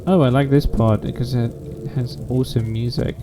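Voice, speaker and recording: In this casual gaming stream chat, a young man from Poland speaks with a Polish accent in a mid-range voice. His intonation is fairly even and his speed normal. The background is noisy with game music, and he thinks aloud with frequent restarts.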